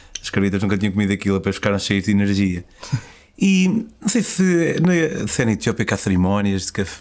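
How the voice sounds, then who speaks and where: With a European Portuguese accent, a man talks at a fairly quick pace with a fairly low pitch. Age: 30s. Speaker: podcast host. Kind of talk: sponsor read; casual chat.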